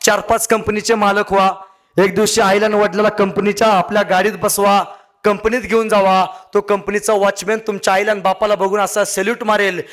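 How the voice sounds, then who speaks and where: A young man giving a fervent motivational speech, addressing the crowd directly and swinging between loud appeals and hushed lines. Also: sits high, little pitch movement, fairly quick. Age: young adult. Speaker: motivational speaker. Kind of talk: impassioned public speech.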